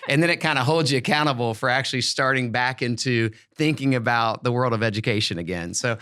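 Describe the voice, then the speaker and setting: A man's voice: medium pitch, fast, sharp tone, smooth. A man hosting a podcast, chatting casually and giving encouraging, emphatic, folksy advice about teaching. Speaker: podcast host and education expert.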